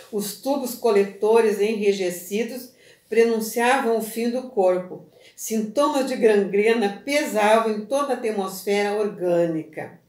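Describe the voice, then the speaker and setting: A Brazilian woman reads a book aloud for her study group at a careful, unhurried pace, stopping to fix slips and add a quick aside. Her mid-range voice is captured on a phone in a room with clear echo. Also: mid-range voice, a little mellow. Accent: Brazilian Portuguese. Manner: slow, careful reading with slips, restarts and brief asides. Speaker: reader for a spiritist study group.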